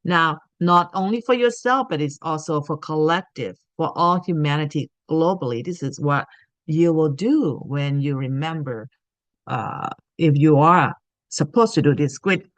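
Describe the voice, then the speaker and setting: A woman's voice: low voice, measured pace, dry recording. A woman from Thailand giving an earnest spiritual teaching talk, often checking in with "okay?".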